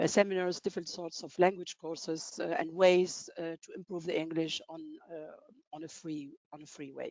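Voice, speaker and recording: In a dry, close recording with no echo, a woman with a French accent speaks at a moderate pace and fairly low pitch, monotone and flat in intonation, with big swings in loudness. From Tunisia. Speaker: language department head at a cultural institute. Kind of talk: webinar presentation. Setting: video call. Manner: halting, many fillers.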